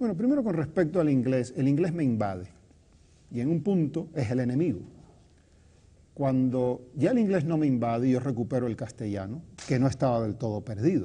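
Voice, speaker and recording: Here a man talks at a fairly quick pace and medium pitch, somewhat breathy, with a dark, mellow tone. His intonation is lively, broken by long, frequent pauses. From Cuba, Havana. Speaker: poet. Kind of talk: interview.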